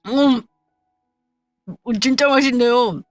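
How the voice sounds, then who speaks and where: Woman playing a young husband, polite, eager, slightly lowered voice, dry recording. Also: slow, dry recording, soft background music.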